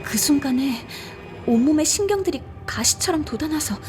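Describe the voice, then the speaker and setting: Scared young woman narrating a ghost story, highish voice, hushed bits, audio drama w music behind. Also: expressive, moderate pace. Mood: hushed, uneasy. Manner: conversational, suspenseful, drops toward hushed whispers. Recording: background music under the voice.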